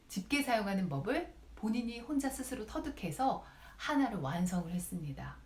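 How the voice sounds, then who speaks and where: A woman speech lecturer talks straight to her viewers, giving advice. Her pitch rises and falls a great deal as she speaks. The room around her rings with a noticeable echo. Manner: lively, directly addresses viewers. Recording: roomy echo.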